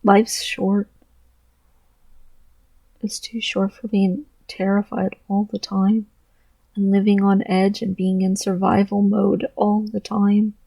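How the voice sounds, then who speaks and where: A trans man talking through his thoughts in a personal vlog, halting and earnest, with a voice he describes as deeper than most girls'. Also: completely flat delivery, mellow, dry recording, low-quality recording. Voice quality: low voice with gravelly fry. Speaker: vlogger.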